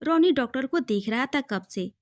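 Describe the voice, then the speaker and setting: A woman reads a romantic story aloud as narrator. Her voice sits high, and her delivery is steady and scripted. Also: moderate pace.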